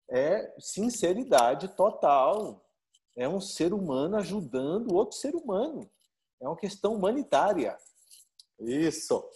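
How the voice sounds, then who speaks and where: A man with a Brazilian Portuguese accent, a marriage therapist giving a live-stream talk, animated and full of rhetorical questions. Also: high-pitched. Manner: animated, acts out little dialogues and asks rhetorical questions.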